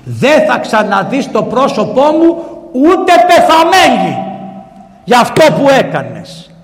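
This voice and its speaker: A man's voice: high-pitched, lively intonation, echoey room, long reverb tail, voice pushed up. A man voicing an enraged old empress who scolds her emperor son. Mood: furious scolding. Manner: shouting, scolding.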